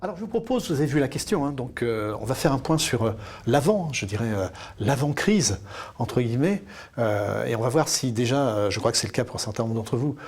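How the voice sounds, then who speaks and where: A man's voice: medium pitch, expressive, brisk, darkish tone. A man moderating a live panel discussion, introducing the guests in a friendly, chatty way with frequent hesitations.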